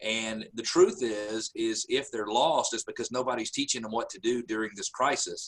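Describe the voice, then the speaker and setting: A man speaks in a Southern US accent with hardly any pauses. His medium pitch has ordinary variation. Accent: Southern drawl. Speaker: real estate coach. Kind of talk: webinar discussion.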